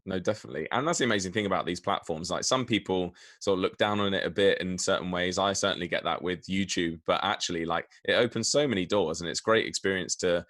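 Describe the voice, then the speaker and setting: Low-pitched male interview host. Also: fast talker, few pauses, a bit bright. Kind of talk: casual interview chat.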